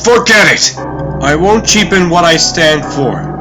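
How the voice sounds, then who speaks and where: A man plays a noble, defiant superhero in a comic dub. His raised voice declaims with righteous force and anguish, over clearly audible music. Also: fairly high pitch, animated, a little slow, voice pushed up.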